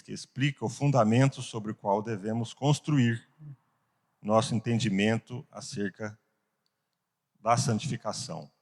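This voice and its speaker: A man with a Brazilian Portuguese accent teaching a Bible class, earnest, asking rhetorical questions and pausing for emphasis. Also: mid-range voice, a little mellow. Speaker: Sunday school teacher.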